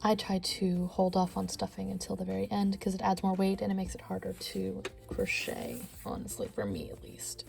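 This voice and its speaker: A woman with a stuffy nose teaching a crochet tutorial, counting stitches aloud and often sinking to a soft near-whisper. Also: medium pitch, lively intonation, moderate pace, creaky, few pauses, soft background music. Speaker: crochet instructor. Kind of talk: step-by-step craft tutorial.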